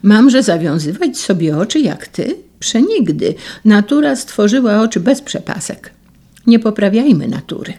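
This is a proud, stubborn young man from a storybook who protests with indignant outbursts. The voice is dark and gravelly, read out by a woman narrator. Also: medium pitch, very animated, a little slow.

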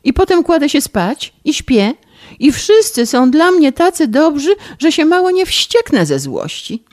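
A woman voicing a pampered, distraught young woman who pleads in a high, tearful voice in an audiobook reading. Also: animated, measured pace, darkish tone. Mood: tearful, exasperated.

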